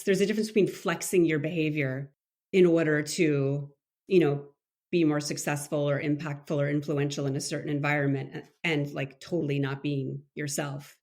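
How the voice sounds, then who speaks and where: A woman's voice: lowish voice, a little mellow. A woman who works as a leadership coach, a guest in a casual interview, talking in a thoughtful, reflective way. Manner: thoughtful, reflective, with many fillers and restarts.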